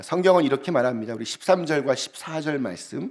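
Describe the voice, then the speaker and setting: A man with a plain, everyday voice speaks at a fairly high pitch in a very clean recording with a silent background. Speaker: pastor. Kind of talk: sermon.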